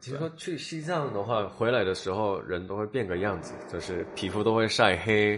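A man talks at a moderate pace with lively intonation and hardly any pauses. Noticeable background noise runs underneath. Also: fairly low pitch for a man. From South Korea, partly raised in Beijing. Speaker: freelance designer and translator. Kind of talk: casual chat. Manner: hesitant, many fillers.

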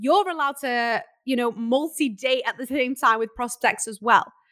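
Raised and projected, a woman's voice with a British accent sounds bright, sharp, animated and energetic at a high pitch, on a very clean recording with a silent background. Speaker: business mentor and podcast host. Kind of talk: solo podcast monologue. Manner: animated, energetic; loud.

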